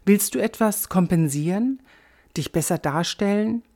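A woman giving a scripted Christian devotional, guiding the listener directly in a measured, gently instructive way. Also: medium pitch. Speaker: host of a Christian reflection. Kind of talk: scripted devotional talk with guided reflection.

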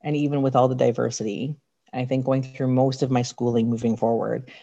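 A woman with a raspy, slightly deep voice, a podcast guest telling candid, reflective stories from her life in casual chat. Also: steady tone, fairly quick, dark tone. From Canada. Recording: dull lo-fi sound.

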